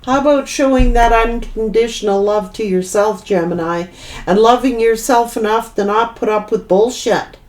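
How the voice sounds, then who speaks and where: A woman's voice: on the high side, moderate pace, darkish tone. A woman giving a tarot reading, blunt and scolding in tone, with mild swearing and emphatic repetition. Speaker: tarot reader.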